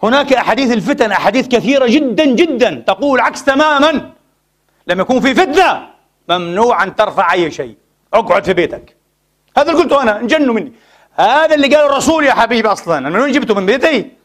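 Impassioned fast-talking male preacher. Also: extremely high pitch, big pitch swings, a bit bright. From Palestine. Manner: impassioned, mixes colloquial Arabic with formal speech. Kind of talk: Friday sermon. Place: mosque.

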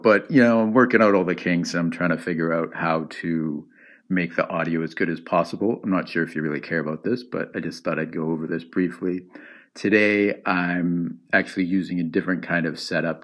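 A man with a deep voice hosting a casual solo podcast, rambling with ums and restarts, recorded on an iPod's built-in microphone at home. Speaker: podcast host. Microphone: iPod built-in microphone.

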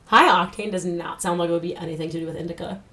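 A woman's voice: on the low side, fairly even intonation, quick pace, sharp tone. A woman with a nasal voice co-hosting a podcast in candid, casual chat. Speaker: podcast co-host.

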